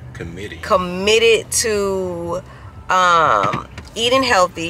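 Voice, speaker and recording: A woman is heard in a dry recording with no echo and faint music in the background. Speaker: vlogger. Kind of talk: casual vlog chat. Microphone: phone near.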